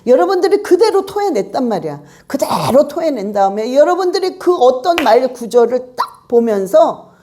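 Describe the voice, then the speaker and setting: A woman's voice: high-pitched, big pitch swings, moderate pace, mellow. A woman pastor from Korea preaching a sermon, urging her congregation with emphatic, repetitive exhortations.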